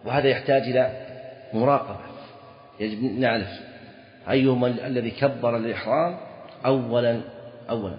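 A male scholar giving a classroom lesson on a legal text, reading a passage, then unpacking it while repeating key phrases. His voice sits at an ordinary middle pitch. The recording is dull and lo-fi, with the long echo of a large hall. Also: a little fast, pauses often. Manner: asks the students questions and answers them himself. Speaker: Islamic scholar teaching a fiqh text.

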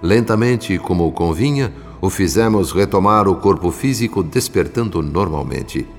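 Benevolent spirit storyteller, deep voice, solemn scripted narration, music behind. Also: male voice, expressive, normal speed. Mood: solemn, serene. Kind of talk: scripted radio drama narration. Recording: long reverb, music behind.

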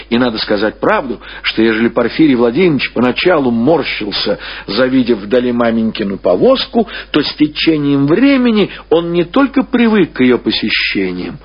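A man reading classic prose as a narrator, in an expressive, deliberate storytelling style with drawn-out phrases. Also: medium pitch, slightly rough, dull audio. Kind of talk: scripted literary narration, audiobook or radio reading.

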